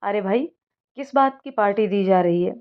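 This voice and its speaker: A woman's voice: mid-range voice, moderate pace, smooth, natural voice. Upbeat loyal guy manager, woman reading him, hearty, muffled audio. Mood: eager. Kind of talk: storybook voice acting. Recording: dull lo-fi recording.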